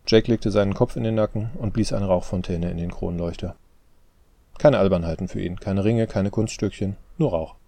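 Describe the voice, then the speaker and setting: A man narrating an audiobook in a measured, steady way. His voice is low and gravelly, with a dark, mellow color, and it sounds dry and close to the mic. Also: dry recording. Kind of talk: scripted narration.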